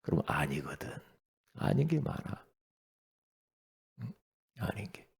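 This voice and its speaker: A man preaching an early-morning sermon as pastor, talking with lively swings and often asking his listeners questions. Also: lowish voice, a little slow, creaky, slightly rough. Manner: animated preaching, rhetorical questions to the congregation.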